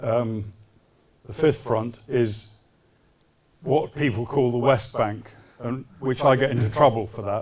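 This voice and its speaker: A man with a British accent speaks at a fairly slow pace with long, frequent pauses. His medium-pitched voice is somewhat breathy, with fairly even intonation. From England. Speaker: retired army colonel, lecturer. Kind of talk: lecture with consecutive interpreting. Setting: lecture hall with audience. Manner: short phrases with pauses for interpreter.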